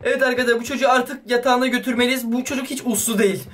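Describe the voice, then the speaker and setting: A young man commentating a horror game as a YouTuber, excitable and swearing playfully at the baby. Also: very high-pitched, very fast. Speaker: gaming YouTuber. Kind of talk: let's play commentary.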